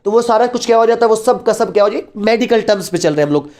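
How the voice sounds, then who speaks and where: A man's voice: high voice, lively intonation, racing, a little mellow. Pakistani man lecturing, question-and-answer style. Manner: explanatory, asks and answers own questions. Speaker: law lecturer. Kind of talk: lecture mixing Urdu and English.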